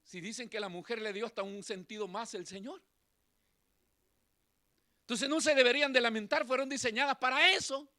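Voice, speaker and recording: A middle-aged man preaching a sermon as pastor, impassioned, swinging between loud cries and quiet asides. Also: very high voice, normal speed, pauses often.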